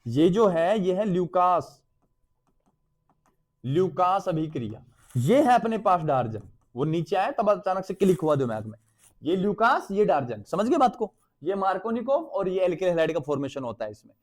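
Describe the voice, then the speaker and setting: A man's voice: sits high, sing-song, normal speed. A man with a Hindi accent, teaching an exam revision lesson, calling his students beta and checking again and again that they follow.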